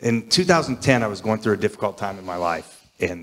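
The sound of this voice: At a fairly quick pace, a man speaks with a fairly low pitch and lively intonation.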